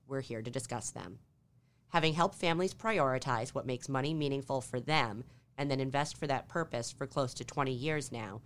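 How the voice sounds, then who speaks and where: A woman in her forties hosting a podcast, reading a polished intro and then interviewing a guest. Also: extremely low pitch. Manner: measured, polished delivery. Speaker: podcast host, wealth advisor.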